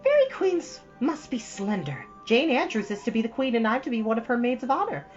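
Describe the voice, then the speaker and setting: A woman's voice: fairly high pitch, big pitch swings, fairly quick, highs cut off, faint music behind, voice pushed up. A woman voicing an eager, dramatic young girl from a storybook, gushing breathlessly and theatrically. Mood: chattering, excited. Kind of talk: storybook character voice.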